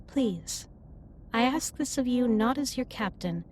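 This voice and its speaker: A woman playing a caring, earnest alien starship captain in a sci-fi roleplay audio drama, speaking in formal, precise, measured sentences. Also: on the high side, lively intonation, a little hiss or hum. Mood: gentle, saddened. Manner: formal, precise, stilted wording with measured delivery. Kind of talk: scripted roleplay audio drama, intimate one-sided dialogue.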